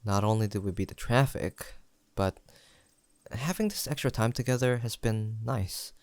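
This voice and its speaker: A young man acting an affectionate, teasing best friend in an intimate audio roleplay, chatting in a gentle, playful and sincere way. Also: fairly low pitch, moderate pace, no echo, lightly acted. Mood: amused, chatty. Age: young adult.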